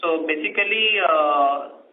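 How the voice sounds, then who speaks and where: A man, a finance executive giving a careful, halting technical explanation on a call. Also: a little high. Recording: tinny phone line with faint noise.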